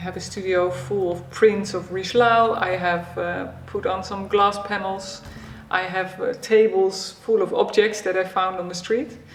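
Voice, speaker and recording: A woman speaks at a fairly slow pace with big swings in loudness. Audible room echo and noticeable background noise fill the recording. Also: medium pitch for a woman, fairly even intonation. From Netherlands, Amsterdam. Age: 30s. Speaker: artist. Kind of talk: interview. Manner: hesitant, frequent fillers.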